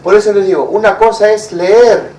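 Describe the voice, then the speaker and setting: High-voiced preacher in an echoey hall. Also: male voice, normal speed, a little mellow, slight background noise. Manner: asks the congregation rhetorical questions. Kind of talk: sermon. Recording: echoey room, mic far off.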